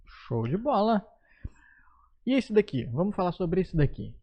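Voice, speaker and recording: A Brazilian man hosting a casual podcast interview, upbeat, with quick interjections. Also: high-pitched, very animated, mellow, breathy edge. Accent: Brazilian Portuguese. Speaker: podcast host.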